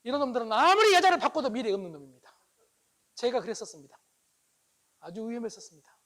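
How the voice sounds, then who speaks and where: A man giving a humorous lecture to a live audience, animated and teasing, often acting out dialogue. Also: sits high.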